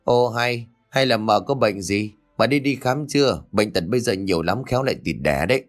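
A mocking old aunt in a black dress, pious on the surface and cutting underneath, as a man voices her. She speaks in a low voice, with faint music behind. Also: moderate pace, a bit bright, lightly acted.

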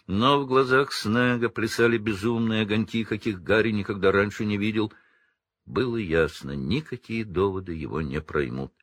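A man narrating an audiobook in a dramatic, measured way. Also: fairly low pitch, a bit bright, no echo. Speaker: reader.

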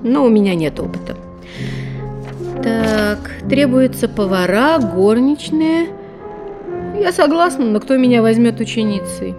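An actress playing a hopeful, plucky young woman of twenty-two in an audio drama, musing and expressive. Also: on the high side, unhurried, music in the background. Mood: musing, intrigued. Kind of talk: theatrical audio drama acting.

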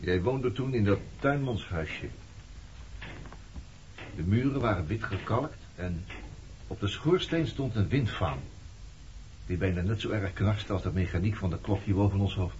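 Stern, low-voiced man, noisy old recording. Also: animated, measured pace, long pauses, a little mellow, muffled recording. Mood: reflective, probing. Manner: blunt, probing, questioning. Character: stern, reproachful man confronting his former lover. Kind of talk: Dutch radio play acting.

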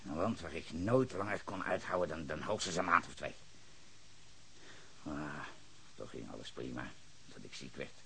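An actor playing a bitter, hard-drinking former sea captain under questioning, brooding low then flaring into furious shouts in a radio drama. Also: male voice, normal speed, creaky, pauses often, slight background noise, heavily acted. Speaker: suspect questioned by detective.

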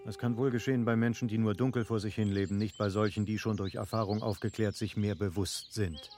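An actor in a classic German radio play playing an eager, affable middle-aged baron who argues in formal, rhetorical phrases. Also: male voice, lowish voice, fairly even intonation, a little fast, a little mellow, soft background music, lightly acted. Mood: confident.

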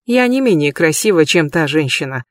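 A man giving a measured, lightly expressive first-person audiobook reading, recorded close in a booth. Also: a little high, no room sound. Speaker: audiobook reader.

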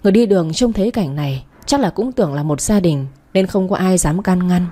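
Woman reading a dramatic story, kinda low and warm. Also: expressive, fairly quick. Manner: dramatic reading that voices every character. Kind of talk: first-person audio story narration.

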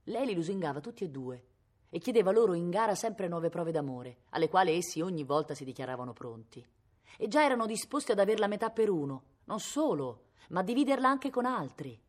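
A woman's voice: low voice, darkish tone. A woman from Italy reading a novel aloud expressively, her voice rising with the drama. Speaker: reader.

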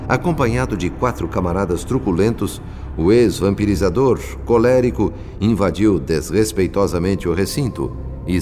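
Compassionate spirit narrator: very low, solemn scripted storytelling over faint music. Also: male voice, a little mellow. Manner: solemn, literary. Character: grave, compassionate male spirit narrator recounting his work.

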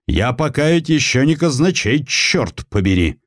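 A man voicing an imperious, irritated war minister in an audiobook, gruff and blustering in manner. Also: mid-range voice, very animated, a little slow, no room sound, studio quality, voice pushed up. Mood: indignant.

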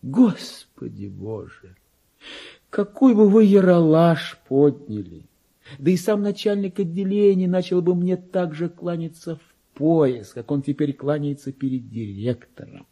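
An actor playing a deluded petty clerk who believes himself a king, in a theatrical radio monologue with a husky, grandiose and erratic delivery. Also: animated, measured pace, exaggerated voice. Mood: smug, secretive. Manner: grandiose, erratic, swinging from hushed confiding to shrill outbursts.

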